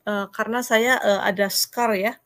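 A woman giving a personal faith testimony in an interview, telling her story in an earnest, halting way over a video call. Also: medium pitch, steady tone, fairly bright tone.

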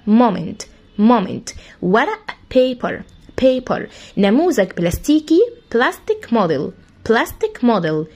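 A woman with an Egyptian Arabic accent, an English teacher who explains words to pupils and repeats each one slowly, spelling out how the sounds are said. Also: fairly high pitch, darkish tone. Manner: addresses pupils as "kids". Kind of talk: vocabulary lesson for pupils.

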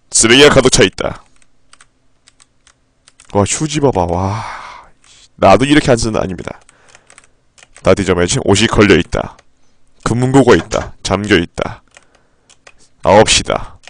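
A man live-streams a game playthrough, reading the in-game text aloud in a low, flat voice before erupting into sudden, profane outbursts. He's unhurried and pauses often, and the recording is dry.

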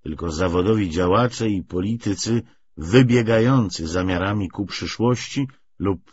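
A man reading a literary audiobook in an expressive, scripted narrating style. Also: sits low, normal speed, breathy edge, highs cut off.

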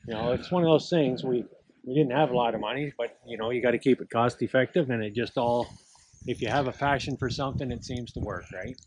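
A man's voice: medium pitch, fast, a little mellow, low-quality recording. A middle-aged man telling a rambling story about his barn outdoors, with plenty of fillers and chuckles. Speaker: barn owner. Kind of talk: casual storytelling. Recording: outdoor camera audio with clear background noise.

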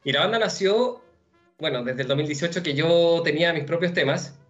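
A young man with a Chilean accent answering interview questions on a video call from home, relaxed and rambling with many fillers. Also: fairly high pitch, a little fast. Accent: Chilean Spanish. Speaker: musician guest. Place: room at home. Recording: dull lo-fi video call audio with faint music.

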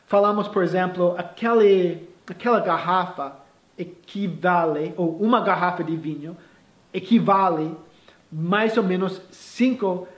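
A man with a high, light voice teaches English phrases at an easy pace. He often restarts his sentences and slips English words into his explanations. The room around him rings with echo. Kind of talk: casual bilingual lesson.

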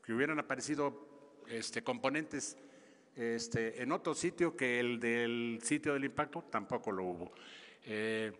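A Mexican man in his seventies answering press questions in a halting, emphatic way, often repeating himself. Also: medium pitch, a bit bright. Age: 70s. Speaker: government official at press conference. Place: large indoor press conference hall. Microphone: podium microphones. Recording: reverberant hall, podium microphone.

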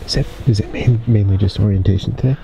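A man's voice: lowish voice, fast talker, creaky, distant mic, noisy background. A man asking brief, curious questions from off camera. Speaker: off-camera interviewer. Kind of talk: quick questions from behind the camera.

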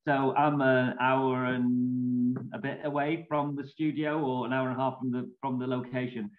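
A man's voice: medium pitch, flat delivery, moderate pace. A man in his thirties with a northern English accent, a soap actor chatting casually in an interview and laughing easily, speaking over a video call from a small room. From England. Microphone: laptop video call. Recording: echoey, dull video call audio.

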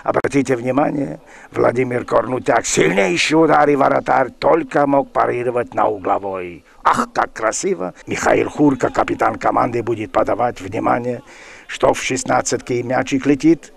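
A male sports commentator with a gravelly, creaky voice of medium pitch. He calls the football live in an excited, exclamatory way, drawing out his cries as he follows the play.

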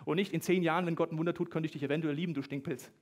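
High-voiced lively joking pastor, man. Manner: lively, joking, talks fast at times. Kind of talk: sermon.

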